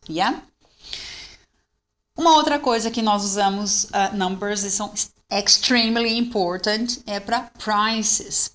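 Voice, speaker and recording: This is a Brazilian woman with a Brazilian Portuguese accent, teaching an English lesson. She switches between explanation and slow, careful model phrases. She often pauses to check that her students are following. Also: mid-range voice, fairly bright tone. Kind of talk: bilingual classroom lesson.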